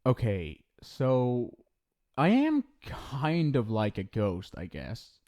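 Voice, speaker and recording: A man's voice: medium pitch, wildly swooping pitch, slow pace, warm tone. A man voicing an exasperated male ghost soulmate from the afterlife who swears while scolding and stumbles over restarts when he explains himself, in an ASMR roleplay. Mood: sheepish fumbling.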